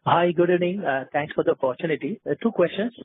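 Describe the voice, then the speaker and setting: A male analyst with a fairly high voice talks over a narrow phone connection. He puts his questions politely, with hesitant starts. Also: fast, slightly rough, dry recording. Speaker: financial analyst calling in. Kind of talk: asking questions on an earnings conference call. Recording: narrow telephone line.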